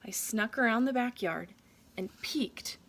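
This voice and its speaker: A woman reads a children's storybook aloud in a very bright, slightly high voice. She works as a teacher would, shaping each phrase with care and a sense of drama for young listeners. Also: a little slow. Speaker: teacher reading aloud to pupils.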